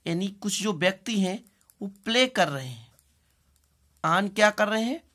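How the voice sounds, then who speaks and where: A woman with an Indian accent teaching English in a bilingual lesson, deliberately repeating phrases, spelling out words and checking in often. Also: medium pitch, expressive, fairly bright tone.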